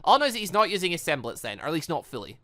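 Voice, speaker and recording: Animated man rambling through a let's-play. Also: fairly high pitch, rapid-fire. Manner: rambling, thinks aloud. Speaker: gaming video host. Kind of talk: let's-play commentary mixed with reading dialogue aloud.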